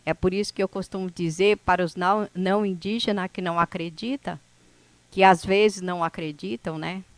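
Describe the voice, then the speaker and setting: A woman from the São Paulo coast whose first language is a Brazilian indigenous language, telling her life story to an audience in an unhurried, conversational way. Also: fairly low pitch, fairly even intonation, no echo. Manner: unhurried, conversational, with frequent "né?" tags and restarts. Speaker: indigenous speaker at an event.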